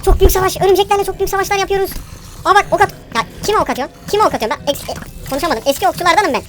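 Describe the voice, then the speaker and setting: Girl gamer with a super high voice, brash and bossy, talks fast and barks at the monsters on screen. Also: a little hiss or hum. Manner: brash, bossy, yells at game monsters, slangy. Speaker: gameplay commentator. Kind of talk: live gameplay commentary.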